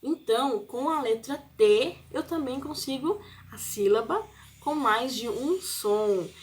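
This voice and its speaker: A woman's voice: high voice, lively intonation, takes it slowly. A woman teaching a Portuguese spelling lesson with a Brazilian accent, patiently spelling out and stressing example words for young learners. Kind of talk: recorded classroom lesson.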